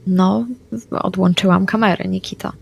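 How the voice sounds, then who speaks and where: A woman's voice: mid-range voice, steady tone, normal speed, vocal fry, husky. A woman talking casually as a player in a tabletop roleplaying game.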